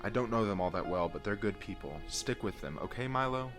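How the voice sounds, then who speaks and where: A man's voice: on the low side, animated, a little fast, a bit bright, soft background music. An actor playing a weary, secretive man changed by an otherworldly force, pleading urgently and lovingly in an audio drama. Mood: earnest warning. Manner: earnest, pleading.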